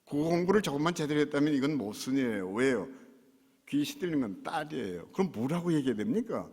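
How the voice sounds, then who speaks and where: A man preaching a sermon as pastor, acting out quotes and sometimes shouting. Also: a little high, sing-song, quick pace, husky. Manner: dramatic, acts out quotes and shouts. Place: church sanctuary. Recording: long church hall reverb.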